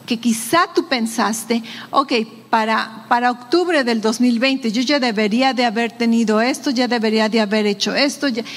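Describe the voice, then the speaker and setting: A woman pastor delivers a sermon in a higher-pitched voice, speaking directly to her listeners with a string of rhetorical questions. The sound carries a long reverb, as in a large church hall. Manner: conversational preaching with rhetorical questions.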